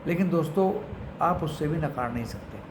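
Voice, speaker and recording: Indian guy doing off the cuff market talk, bit high voice, noisy background, drops in english phrases. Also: lively intonation, normal speed. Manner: mixes in English phrases, often addresses viewers as friends. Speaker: stock market commentator and channel host. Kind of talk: unscripted market commentary to viewers. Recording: echoey room with clear background noise.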